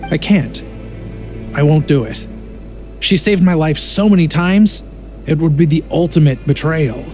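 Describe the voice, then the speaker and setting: Guy playing desperate dad in a game, lighter pitched voice, agitated and earnest, faint music under. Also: measured pace, a little mellow, close to an everyday voice. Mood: anguished refusal. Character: desperate family man turned unwilling informant, defiant. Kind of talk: video game voice acting.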